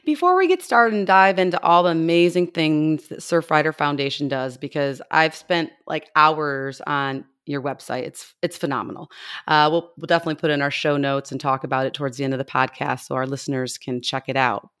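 A woman's voice: low voice, brisk, fairly bright tone, clear, resonant tone. A woman hosting a podcast interview, chatting eagerly and gushing about the guest's work. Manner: enthusiastic, gushing, with restarts. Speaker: podcast host.

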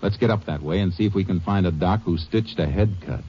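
Texas Ranger male actor: very low voice, shrewd and clipped, old radio western, muffled recording. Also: a little fast, a little hiss or hum, lightly acted. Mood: focused, businesslike. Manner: terse, matter-of-fact questioning. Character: steady, shrewd Texas Ranger investigator and narrator. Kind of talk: 1950s radio western acting.

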